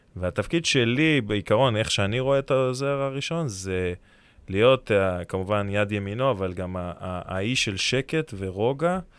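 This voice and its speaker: A man has a plain, everyday voice at a fairly low pitch. His intonation is lively. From Israel, Herzliya. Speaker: basketball assistant coach. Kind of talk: casual interview. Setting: studio.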